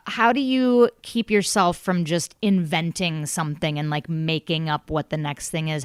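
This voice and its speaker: A woman's voice: sits low, smooth, no echo, clean studio sound. A woman hosting a podcast, asking long thoughtful questions and laughing easily in casual conversation. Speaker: podcast host.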